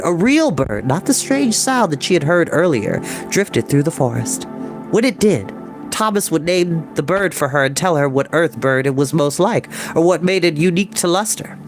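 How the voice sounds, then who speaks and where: Animated male storybook narrator. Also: fairly high pitch. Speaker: storybook reader. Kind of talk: expressive scripted narration.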